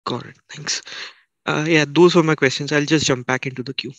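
A man speaking as a financial analyst, asking halting questions on an earnings call. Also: a little high, fairly even intonation, vocal fry, fairly bright tone, no echo. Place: conference call.

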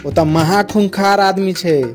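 A man's voice: sits high, steady tone, unhurried, faint music behind. A man voicing a short-tempered middle-aged village uncle in a comedy cartoon, scolding in exasperation. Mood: exasperated.

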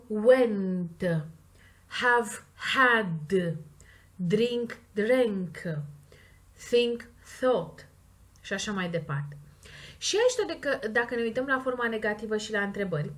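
A woman with a Romanian accent, teaching English grammar and stressing the example words slowly and clearly. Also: a little high, lively intonation. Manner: slow, stressed model words between quick explanations. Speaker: language teacher. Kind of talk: explaining grammar in a recorded lesson.

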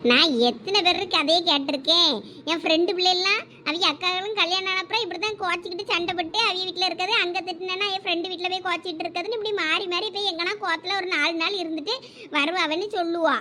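A woman's voice: very high-pitched, fairly even intonation, fast, sharp tone, slight background noise. A woman voicing a know-it-all college girl, talking in a dismissive, chattering way.

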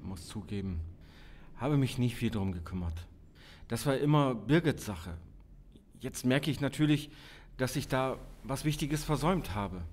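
A man acts out a middle-aged police officer and father in a crime audio drama. His voice sits at a medium pitch, and he talks in dialogue like an everyday colleague. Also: lively intonation, unhurried, darkish tone, a little hiss or hum, close to an everyday voice. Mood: worried, subdued. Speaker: police officer in drug squad.

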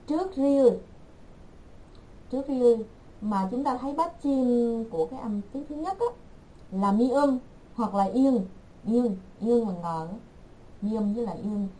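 A woman teaching an online language class, repeating words slowly and patiently for her learners. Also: on the high side, warm tone, slight background noise, poor audio.

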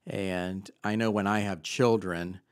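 A man's voice: sits low, steady tone, a little slow, smooth, no room sound, studio quality. A man in his thirties hosting a faith podcast from a home office, speaking into a handheld mic in a chatty, earnest way with many fillers. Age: 30s. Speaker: podcast host. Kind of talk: casual faith podcast monologue. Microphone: handheld mic close to mouth.

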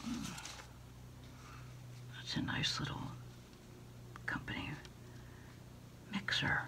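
A middle-aged American woman whispering softly and haltingly in a quiet ASMR roleplay, politely taking orders as if on the phone. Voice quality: breathy whisper with fry. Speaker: ASMR performer playing a takeout order taker. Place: small dim indoor desk space.

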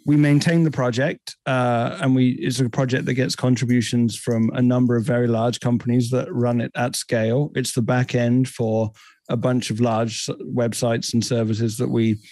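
A man's voice: mid-range voice, little pitch movement, moderate pace, a little mellow, no echo. A man in his thirties with a British accent, a guest explaining technology fluently in a podcast interview over a headset from a home office. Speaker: guest, tech company CEO.

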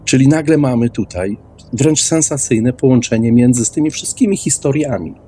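A man's voice: medium pitch, normal speed, dark tone, slight background noise. A man in an informal, opinionated radio discussion, speaking emphatically and often repeating words. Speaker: guest in an online radio debate.

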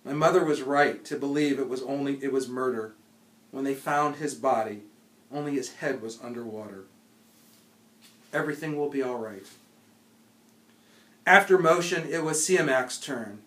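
A man's voice: mid-range voice, moderate pace, long pauses, fairly bright tone. An American man in his forties, a professor, reading a book aloud. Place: small indoor office with bookshelves. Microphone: camera a few feet away. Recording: roomy office sound from camera mic.

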